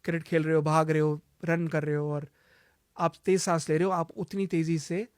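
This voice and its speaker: A man's voice: on the high side, little pitch movement, moderate pace, clean tone, no echo, studio quality. A man speaking as a cancer healer, giving urgent advice and repeating his warnings, mixing English phrases into Hindi. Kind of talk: advice-giving interview talk.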